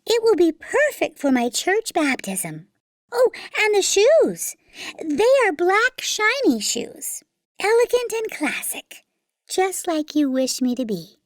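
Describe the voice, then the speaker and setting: A sweet little fairytale orphan girl with a tiny, extremely high voice. She speaks slowly and daintily, with a lively lilt and hopeful, polite manners. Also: full character voice. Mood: sweetly deceitful.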